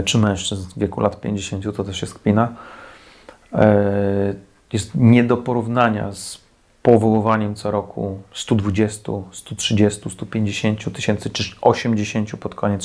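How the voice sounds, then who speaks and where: A man's voice: lowish voice, gravelly, darkish tone. A man in his forties from Poland, giving scornful, sarcastic critical commentary to camera from a small indoor room. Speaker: defense commentator. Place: small indoor room, plain white wall.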